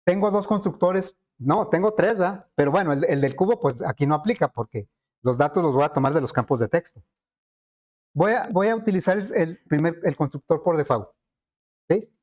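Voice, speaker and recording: A man walks students through code in a screen-recorded lesson. His voice sits a little high for a man, and he thinks aloud, pausing on fillers and checking in with his class as he goes. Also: a little mellow. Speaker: programming teacher.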